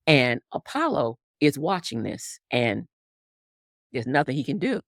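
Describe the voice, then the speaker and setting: A woman's voice: rumbling low, sing-song, measured pace, no room sound, studio quality. A woman guest telling a story in conversation, acting out characters with big swings in voice. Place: Harlem upbringing.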